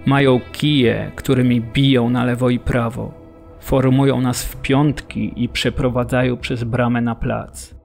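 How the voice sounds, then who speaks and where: A man's voice: medium pitch, flat delivery, unhurried, creaky, darkish tone, faint music behind. A man acting a bewildered prisoner in a radio drama, reliving events in short, stark phrases. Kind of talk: scripted radio drama monologue.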